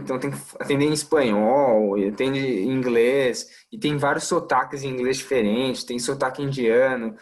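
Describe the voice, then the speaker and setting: A young Brazilian man speaks at an ordinary, middle pitch in a relaxed podcast chat. His Brazilian Portuguese accent comes through as he works out his thoughts aloud, filling pauses and trailing off into small asides. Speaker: medical resident.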